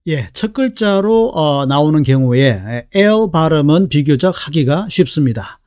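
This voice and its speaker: A middle-aged man teaching English pronunciation in a lesson video, speaking slowly and carefully and repeating each example word. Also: fairly high pitch, lively intonation, a little mellow, no room sound, studio quality.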